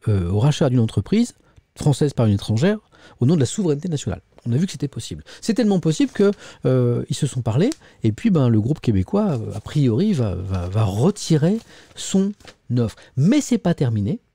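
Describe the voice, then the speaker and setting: A man's voice: mid-range voice, sing-song, a little fast, warm tone, dry recording. A middle-aged man casually reviewing the morning papers on a live stream, reading editorials aloud and chatting with viewers. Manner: chatty, reads editorials aloud and comments, talks to the chat.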